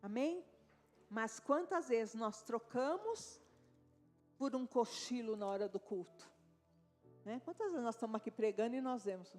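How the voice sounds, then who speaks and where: A Brazilian woman pastor preaching in a church, her voice sitting fairly high. She talks to the congregation like a chat, with constant tag questions and asides. Soft music plays underneath. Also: expressive, a little slow, long pauses. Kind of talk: sermon. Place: church service.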